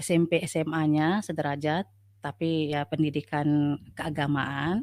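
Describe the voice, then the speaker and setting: In a Sumatran accent, a woman speaks very slowly in a very deep, low, dark and mellow voice with monotone, flat intonation, on a very clean recording with a silent background. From North Sumatra, Indonesia (Asahan, Medan). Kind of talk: testimony.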